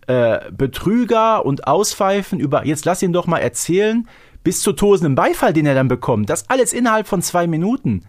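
A man's voice: a little high, a little mellow. A man hosting a podcast, discussing things with a fan's enthusiasm in an effusive, emphatic way. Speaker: podcast host.

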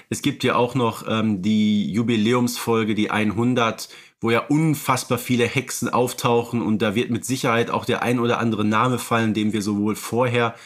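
A man's voice: medium pitch, fairly bright tone. A man co-hosting a fan podcast in casual chat, hesitant, searching for words and correcting himself as he goes. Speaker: podcast co-host.

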